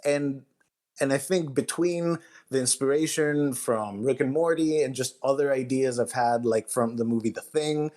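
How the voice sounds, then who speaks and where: A man chatting casually as a guest author, halting and thinking aloud as he goes. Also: medium pitch, darkish tone. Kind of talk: casual chat.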